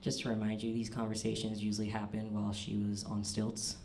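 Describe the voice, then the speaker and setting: A young trans man telling self-deprecating stand-up stories on a comedy club stage, halting often with ums and uhs. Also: monotone. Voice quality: fairly low, manly voice. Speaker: stand-up storyteller. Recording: live club recording with audience noise. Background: audience laughter.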